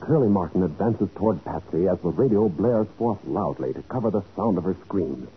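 A man's voice: low-pitched, animated, brisk, phone-quality sound, music in the background. A man announcing a 1940s radio drama, narrating the script in an emphatic, dramatic manner.

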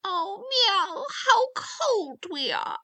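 A storybook demon cat wails from a haunted castle, high-pitched and plaintive as a woman reader performs it. It draws its cries out slowly, shivering and eerie. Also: big pitch swings, bright, forceful tone, no room sound, exaggerated voice. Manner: drawn-out plaintive crying.

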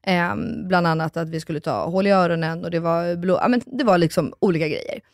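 A woman co-hosting a podcast in casual chat, telling stories in a lively way and acting out what people said. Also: on the low side, no room sound, clean studio sound. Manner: animated storytelling, acts out quoted exchanges. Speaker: podcast co-host. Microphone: studio microphone.

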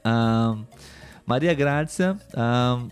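Brief: man, mid-pitched, patient teacher closing a live stream, faint music behind. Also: very slow, smooth. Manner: patient, teacherly, many "ah" and "né" tags. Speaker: host of a live stream for Portuguese learners. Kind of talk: friendly live-stream wrap-up, reading viewer comments.

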